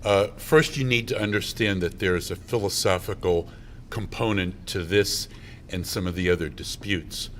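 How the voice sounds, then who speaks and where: A low-pitched man explains a party dispute in firm, fluent sentences, ticking through points one after another. A faint hum of convention ambience sits behind him. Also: moderate pace, fairly bright tone. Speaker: party member guest. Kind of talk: political explanation. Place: hotel convention venue.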